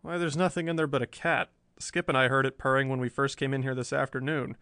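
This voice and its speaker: A man's voice: mid-range voice, flat delivery, fast talker, fairly bright tone, smooth, no echo, clean studio sound, close to an everyday voice. A man voicing a cheerful, easygoing male reporter who talks in a soothing way.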